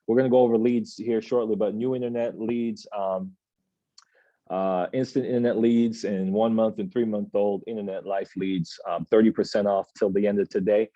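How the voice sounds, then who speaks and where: A man in his thirties hosting an office team meeting, reading out announcements in a relaxed, chatty way with plenty of filler sounds. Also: on the low side, normal speed, no echo, highs cut off. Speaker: agency meeting host. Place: office meeting room, indoors.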